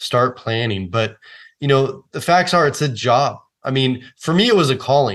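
With a General American accent and an unremarkable speaking voice, a man talks at a fairly slow pace in a medium pitch, his intonation lively against a quiet background. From San Francisco Bay Area, California. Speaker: Air Force veteran and retired police sergeant. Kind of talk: interview.

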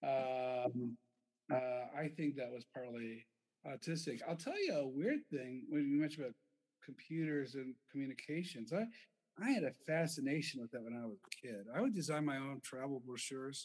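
Pitched fairly high, a man with a normal speaking voice and an American accent speaks at a moderate pace with ordinary pitch variation. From rural eastern Montana. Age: 40s. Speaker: pastor. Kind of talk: casual chat.

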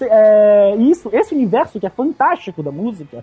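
A man is speaking here. His intonation is lively. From Belém, Pará, Brazil. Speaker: classical violinist. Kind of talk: casual chat.

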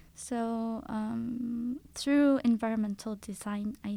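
With a Korean accent, a woman speaks at a fairly high pitch in a dark, mellow tone. Her intonation is monotone and flat. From South Korea, Gangwon province. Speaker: university student studying landscape architecture. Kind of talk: casual interview conversation.

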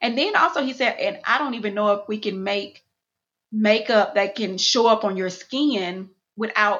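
Moderate pace from a woman pitched fairly high, in an ordinary speaking voice. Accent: American. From Houston, Texas. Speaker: beauty brand founder. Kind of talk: interview.

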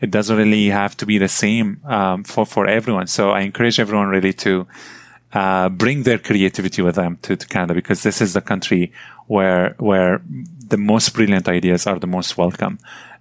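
A man speaks with an Arabic accent at a fairly low pitch. His pace is fairly quick and his intonation fairly even. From Syria, Damascus. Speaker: refugee entrepreneur and public speaker. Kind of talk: interview.

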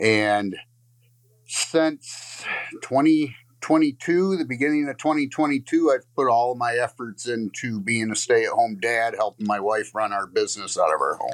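Medium-pitched male speech, moderately paced, with ordinary variation in pitch. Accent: Midwestern. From Michigan. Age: 40s. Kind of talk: interview.

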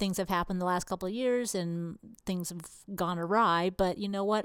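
In a very clean recording with a silent background, a woman speaks at medium pitch with fairly even intonation in a plain, everyday voice. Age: 40s. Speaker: fitness trainer and podcast host. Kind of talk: casual solo podcast talk.

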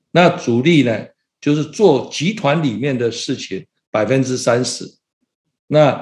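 Lively intonation from a man at medium pitch, at a very slow pace. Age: 60s. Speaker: business executive. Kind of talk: interview. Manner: frequent filler sounds.

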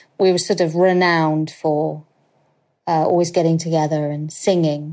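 Here a woman speaks with a British accent and a fairly low pitch. Her intonation is monotone and flat, at a moderate pace. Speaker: actor. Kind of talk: casual chat.

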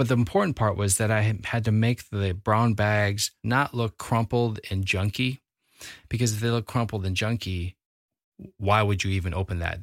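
A man with an American accent and an unremarkable speaking voice talks at a moderate pace, pitched fairly low with fairly even intonation, in a dry, close sound with no echo on a very clean recording with a silent background. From US Midwest, northern Illinois near Chicago. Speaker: former bank robber and competitive cyclist. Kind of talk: personal storytelling in an interview.

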